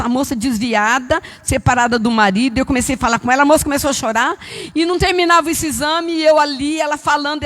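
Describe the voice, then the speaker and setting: Fervent older woman in a reverberant church. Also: fairly high pitch. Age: 70s. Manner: fervent, storytelling with quoted dialogue. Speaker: church member giving testimony. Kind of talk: church testimony. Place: church hall. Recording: long church hall reverb.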